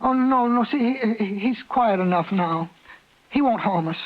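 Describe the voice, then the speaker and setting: An actor playing a timid, bashful male passenger in a 1950s radio drama, speaking softly and hesitantly. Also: high voice, unhurried. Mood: hushed, startled. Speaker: lead actor. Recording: muffled old 1950s radio broadcast.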